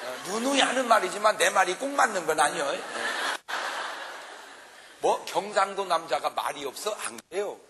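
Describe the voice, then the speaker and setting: Animated male pastor, lively high voice. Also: moderate pace, background noise. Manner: animated, jokes and acts out quarrels for the congregation. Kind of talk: revival sermon. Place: large church revival meeting. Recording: live hall reverb.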